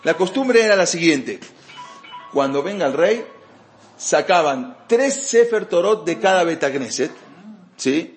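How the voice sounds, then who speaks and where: A man's voice: fairly high pitch, lively intonation, unhurried, soft background music. A man teaching Jewish history in an informal lecture, telling stories conversationally with many fillers and restarts. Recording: echoey room.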